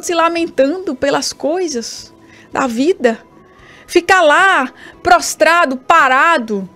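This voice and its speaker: A woman's voice: extremely high pitch, a bit bright. A woman in her thirties with a Brazilian Portuguese accent, preaching a fervent radio sermon and speaking directly to the listener. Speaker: preacher on a radio morning program.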